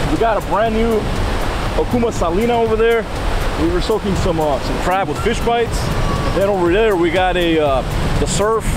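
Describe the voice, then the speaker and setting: Over loud background noise, a man speaks at a moderate pace with ordinary pitch variation and long, frequent pauses, the sound dry with no echo. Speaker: fishing vlogger. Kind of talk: casual vlog chat. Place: beach.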